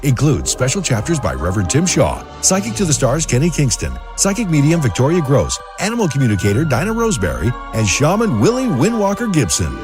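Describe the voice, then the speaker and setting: Animated male advertisement announcer over music. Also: medium pitch, fairly quick, few pauses. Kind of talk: scripted book promo read. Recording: music bed under voice. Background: clear background music.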